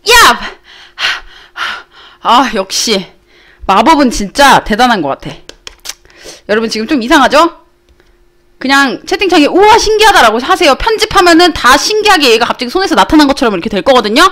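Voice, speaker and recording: A woman's voice: high voice, animated, a little fast, a bit bright. A young adult woman, a live streamer, telling a story to her chat audience in blunt, slangy banter.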